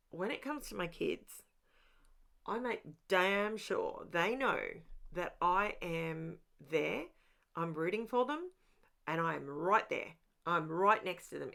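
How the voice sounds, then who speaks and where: A middle-aged woman recording a relaxed craft voiceover at home. Her voice sits a little low and carries a gravelly edge, and she rambles cheerfully, speaking directly to the people watching. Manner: rambling and self-aware, talks straight to viewers. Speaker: crafting channel host. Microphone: voiceover mic.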